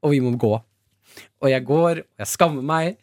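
A man with an Oslo Norwegian accent, co-hosting morning radio and telling an animated story full of acted quotes and laughter. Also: on the high side, no echo, clean studio sound. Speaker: radio co-host.

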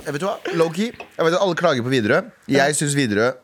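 A young man co-hosting a radio talk show tells a story in loose, casual chat. His voice sits a little high, and he acts out the people in his story with sudden leaps in pitch. He is recorded on a studio microphone. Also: lively intonation, very noisy.

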